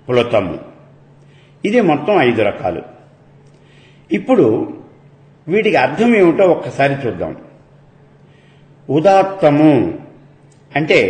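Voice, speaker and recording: A male lecturer on Vedic chanting gives a slow explanatory lecture, unhurried, careful and deliberate, stretching out the syllables of his examples. His pitch rises and falls in a lively way, and roomy reverb surrounds his voice.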